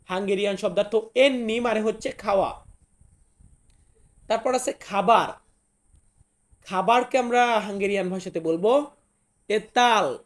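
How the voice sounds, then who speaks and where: A man from Bangladesh with a notably high voice gives a casual vocabulary lesson. He repeats each new word slowly and talks straight to his viewers. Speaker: language teacher.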